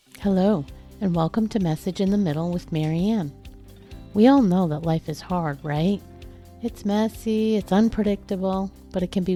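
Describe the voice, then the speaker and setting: Music plays behind a woman's fairly low voice. She keeps a moderate pace and ordinary pitch variation. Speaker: podcast host. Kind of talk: podcast intro.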